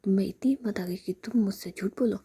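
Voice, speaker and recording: A woman voicing a sharp-tongued, angry young female employee in a whispered role-play story. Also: mid-range voice, fast talker. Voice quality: breathy whisper.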